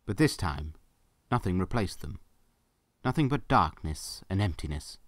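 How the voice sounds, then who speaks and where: A man's voice: sits low, sing-song, unhurried, no echo, studio quality. A man giving scripted narration for a story, as the narrator of an audio drama.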